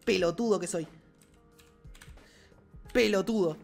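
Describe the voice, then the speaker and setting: A man with an Argentine accent giving excited gameplay commentary as a gaming channel host, swearing and shouting often. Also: high voice, takes it slowly, gravelly, faint music behind. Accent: Argentine Spanish.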